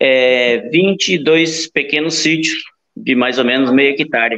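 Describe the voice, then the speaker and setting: A man's fairly high voice at a very slow pace. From northeast Brazil, Rio Grande do Norte. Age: 60s. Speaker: retired hobby beekeeper, student. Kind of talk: interview.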